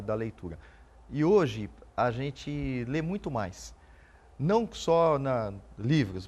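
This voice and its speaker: A Brazilian man in his forties, a police officer and writer, answering interview questions in an earnest, halting way. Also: mid-range voice. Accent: Brazilian Portuguese. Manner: earnest, halting, repeats words while thinking.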